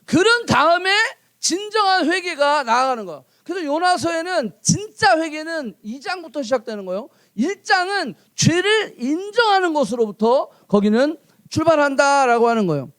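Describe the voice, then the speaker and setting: A man preaches with a playful storyteller's flair, his high voice leaping up and down as he spins a tale. The sound is close and dry, with no room around it. He keeps drawing listeners in with questions. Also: normal speed, hardly any pauses, no room sound. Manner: animated, playful, acts out characters. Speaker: pastor. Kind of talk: sermon with lively storytelling.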